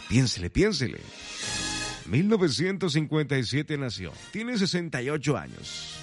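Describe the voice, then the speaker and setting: Man, radio host, very lively swooping delivery, music bed behind. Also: medium pitch, normal speed. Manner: chatty, playful, addresses listeners directly. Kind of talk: morning radio trivia segment.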